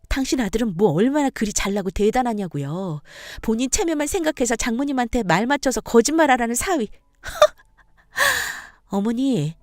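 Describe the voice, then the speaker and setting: A woman's voice: fairly high pitch, a little mellow, no echo, studio quality. A woman in her thirties narrating a dramatic first-person story, speaking heatedly and emotionally. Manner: heated, emotional confrontational telling.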